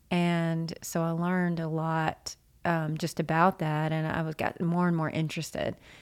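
A woman with a Southern US accent speaks at a fairly low pitch in a monotone, flat intonation. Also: moderate pace. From Arkansas (Jonesboro). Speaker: emotion code practitioner and yoga instructor. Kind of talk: casual interview; guided breathing instruction.

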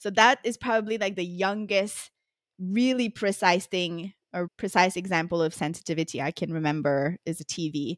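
With a plain, everyday voice, a woman talks at a moderate pace with ordinary pitch variation, in a very clean recording with a silent background and a dry, close sound with no echo. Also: medium pitch for a woman. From Montreal, Canada. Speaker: yoga teacher and coach. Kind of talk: interview, personal story.

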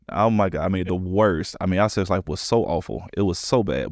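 A man talks at a very fast pace, his pitch very deep and low with vocal fry. Pitch variation is ordinary, and the background is quiet. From Alabama (Montgomery). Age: 40s. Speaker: comedian. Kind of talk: casual chat. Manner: animated.

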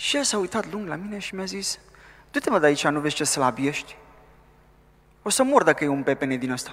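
This man's voice sits fairly high in pitch and moves at a fairly quick pace with lively intonation. He leaves long, frequent pauses. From Romania, Bucharest. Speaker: guest preacher. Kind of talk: sermon.

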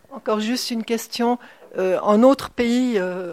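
A woman at a moderate pace with ordinary pitch variation, over noticeable background noise. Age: old. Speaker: audience member. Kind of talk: audience question.

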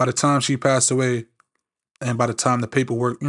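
A man with a New York accent, medium pitch and monotone, flat intonation, over a quiet background. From New York City. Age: 30s. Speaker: podcast host. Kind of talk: motivational monologue. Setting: studio. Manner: casual.

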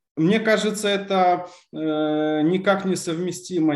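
A man speaks with ordinary pitch variation. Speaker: energy business representative. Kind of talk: panel discussion. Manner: halting.

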